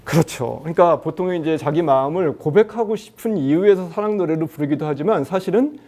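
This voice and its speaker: A middle-aged man, a Korean teacher, giving a lively lecture to a studio audience and often asking them questions. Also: on the high side, fairly quick.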